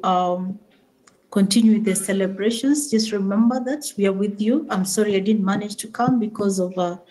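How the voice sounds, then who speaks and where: A woman speaks to a meeting over a remote link, pausing often with fillers. Her delivery is formal and prayerful, at a middle pitch. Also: dark tone, poor audio. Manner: hesitant, many fillers, preacher-like blessings. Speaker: SACCO CEO addressing members remotely.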